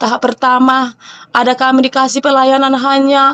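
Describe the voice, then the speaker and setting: A high-pitched woman at a fairly quick pace, in a dry, close sound with no echo. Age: 30s. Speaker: housewife giving product testimony. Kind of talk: testimony.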